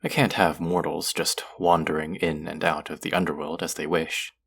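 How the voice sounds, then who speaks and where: An actor playing a stern, haughty god of the underworld in an audio roleplay, speaking formally with an exasperated, grudging manner. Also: male voice, extremely low pitch, little pitch movement, moderate pace, vocal fry, fairly bright tone, breathy edge, full character voice. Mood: stern, dismissive. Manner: imperious, exasperated, formal speech with sighs. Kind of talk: scripted character audio roleplay.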